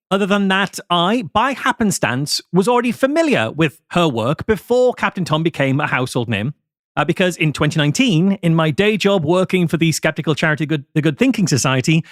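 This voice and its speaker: A man tells a researched story with dry, wry timing. His voice sits fairly high and moves a lot. The close mic gives a dead, roomless sound. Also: no room sound. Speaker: podcast co-host. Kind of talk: scripted storytelling in podcast chat.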